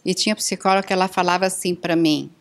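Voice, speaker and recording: A woman's voice: on the low side, fairly even intonation, fast. A woman hosting an interview, talking in a conversational, reflective way and sharing personal experience. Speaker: host. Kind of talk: interview, casual chat.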